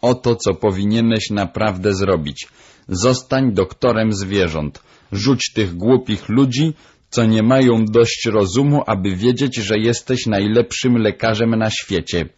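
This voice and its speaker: A shrill, self-assured parrot hen lecturing her master, pitched well above the reader's own deep, slow voice, as a man puts her on. She preaches with pride and insistence in a storybook reading, and the recording sounds dull and lo-fi. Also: darkish tone, slightly rough. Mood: proud, lecturing. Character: proud lecturing female parrot.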